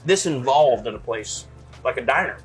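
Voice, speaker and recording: A man's voice: mid-range voice, expressive, moderate pace. A man hosting a food show in a diner, chatting enthusiastically and joking while he eats. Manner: enthusiastic, jokey, talks while eating. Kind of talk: casual food tasting chat.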